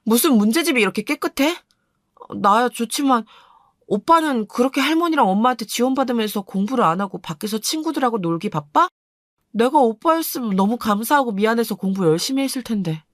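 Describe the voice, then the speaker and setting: Woman voicing a high, aggrieved teen girl, indignant and pleading, storybook narration. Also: lively intonation, a little fast, dry recording, clean studio sound, lightly acted. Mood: reproachful. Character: aggrieved teenage daughter, bright and indignant.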